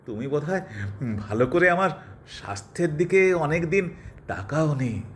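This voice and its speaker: A man's voice: on the high side, big pitch swings, moderate pace, a little hiss or hum. A man playing a feverish, jealous husband in an audio drama, with a pleading, theatrical delivery. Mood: insistent pleading.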